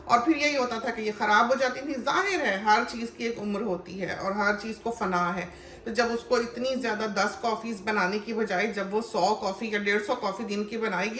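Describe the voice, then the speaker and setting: A woman's voice: mid-range voice, fairly bright tone, slight background noise. Chatty woman showing her kitchen gadget. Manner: chatty, explanatory, many fillers. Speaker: cooking channel host. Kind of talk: casual home demonstration. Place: home kitchen. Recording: echoey room with faint ambience.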